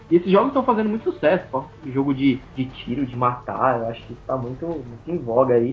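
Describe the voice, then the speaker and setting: Music plays behind a man talking at a very fast pace with hardly any pauses. His pitch is medium, with ordinary variation. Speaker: podcast panelist. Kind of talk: casual chat. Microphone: poor audio, recording in a hidden cave.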